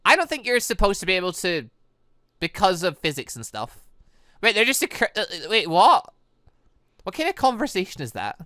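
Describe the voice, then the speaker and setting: Young gaming host, excitable, exasperated commentary, lively swooping pitch, dry close sound. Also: moderate pace, pauses often, no echo. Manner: excitable, exasperated reactions between read lines. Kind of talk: let's play commentary, reading visual novel dialogue aloud.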